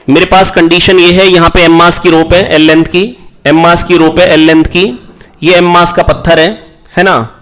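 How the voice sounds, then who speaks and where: A man's voice: on the high side, a bit bright. Coaxing man teaching physics. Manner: coaxing, repeats key points, calls students "beta"; asks rhetorical questions, prompts answers. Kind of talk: online exam-prep lecture.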